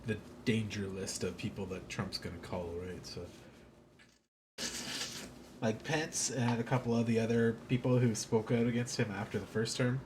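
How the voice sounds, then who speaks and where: Low-voiced man casually commentating on gameplay. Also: steady tone, moderate pace. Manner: rambling, informal. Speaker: video game streamer. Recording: clear background noise.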